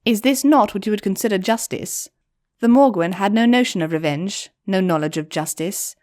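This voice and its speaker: Regal pony princess, calm and measured, read by a woman. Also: mid-range voice, lightly acted. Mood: firm.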